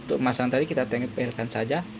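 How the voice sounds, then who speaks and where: A man's voice: mid-range voice, fast talker, noisy background. A man narrates a hands-on repair tutorial, explaining step by step and repeating his points. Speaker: phone repair tutorial presenter.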